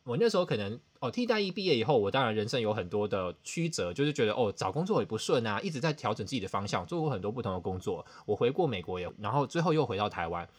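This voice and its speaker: A man's voice: on the low side, very animated, fast, hardly any pauses, slightly rough. A man, hosting a podcast and telling a self-mocking story with dramatic outbursts. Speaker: podcast host. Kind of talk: casual storytelling chat.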